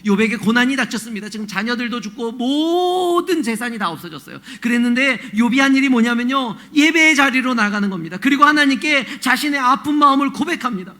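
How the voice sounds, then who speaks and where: A man's voice: very high-pitched, lively intonation, brisk, hardly any pauses, pushed and bright. A male pastor preaching a sermon in a conversational, emotive way, often asking the congregation questions and acting out anguished pleas. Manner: emotive, acts out biblical cries and pleas.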